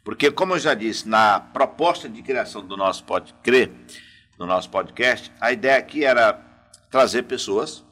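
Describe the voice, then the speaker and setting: A man's voice: mid-range voice, animated, normal speed, pushed and bright. A man co-hosting a podcast, emphatic and formal in his welcomes. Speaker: co-host professor.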